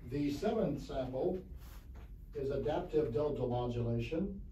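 Mellow man narrating an old technical record. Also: mid-range voice, lively intonation. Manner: formal, measured. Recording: roomy, distant, faintly hissy 1970s flexi-disc recording.

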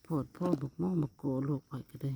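This woman vlogger talks fast in a dark-toned voice, with a little hiss or hum on the audio. She has an Isan Thai accent and chats casually with viewers, whom she calls "brothers and sisters," while filming outdoors on a phone in a rural yard.

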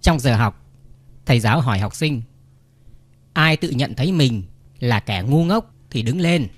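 Slow, lively-pitched man reading jokes. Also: no room sound. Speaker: joke narrator. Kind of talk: scripted reading of short jokes.

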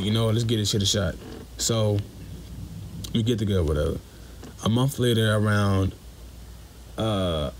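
A young man with a low voice tells a personal story in a casual voice message. He is blunt and curses freely, and acts out the dialogue as he goes. Faint noise sits behind him. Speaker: listener sending a voice message.

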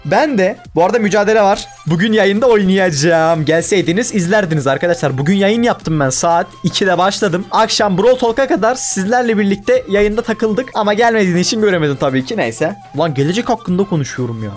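Young male gamer, high and very animated voice, excitable commentary with dramatic exasperation, faint music underneath. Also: brisk, few pauses. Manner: excitable, exaggerated frustration, talks to himself. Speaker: gaming YouTuber. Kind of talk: casual gameplay commentary.

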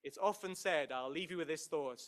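Higher-pitched man giving a university talk. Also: fairly quick, fairly bright tone. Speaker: professor, head of a university English department, giving an introduction. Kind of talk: admissions talk to prospective students.

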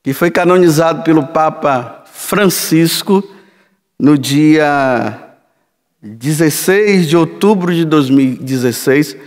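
Older male priest, homily, unhurried storytelling, long reverberant sanctuary. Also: a little high. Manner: slow, storytelling, sweeping hand gestures. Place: large church sanctuary. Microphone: headset mic.

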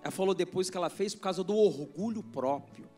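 Male bishop, sermon, animated storytelling, high voice, faint music behind. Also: a little fast. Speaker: bishop preaching.

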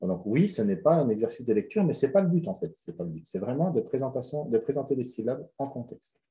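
A man's voice: mid-range voice, big pitch swings, quick pace, warm tone. A man presenting a webinar on a reading method, explaining in a loose, hesitant way with many fillers and restarts.

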